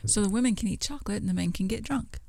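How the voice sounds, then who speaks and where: A woman's voice: medium pitch, very fast, gravelly, warm tone, no echo. A woman co-hosting a podcast, chatting casually with short, informal reactions. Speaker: podcast co-host. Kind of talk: casual chat, brief reactions.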